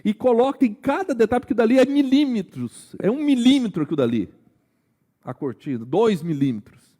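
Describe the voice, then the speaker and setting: Brazilian pastor guy, kinda high voice, sermon that goes from quiet slow bits to loud excited bits. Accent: Brazilian Portuguese. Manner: conversational preaching with frequent questions to the congregation; swings between hushed, slow emphasis and raised, energetic delivery.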